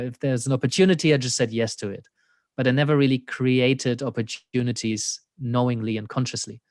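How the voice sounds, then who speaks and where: A man's voice: mid-range voice, clean tone, no echo, clean studio sound. A man with a German accent, an existential coach talking thoughtfully as an interview guest, laughing often and leaning on "you know.". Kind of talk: reflective conversational interview.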